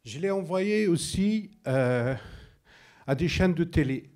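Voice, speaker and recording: A man from Algeria whose first language is Arabic, a filmmaker speaking from the floor at a public debate, emphatic and halting. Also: fairly high pitch, expressive, darkish tone. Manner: emphatic, halting, with abrupt drops. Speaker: audience member, filmmaker.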